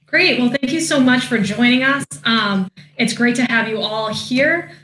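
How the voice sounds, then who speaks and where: A woman's voice: on the high side, unhurried, fairly bright tone, reverberant, rough recording. Upbeat woman hosting a video hangout. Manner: friendly and upbeat, with many fillers. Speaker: admissions marketing manager hosting an online hangout. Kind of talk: casual moderated video chat.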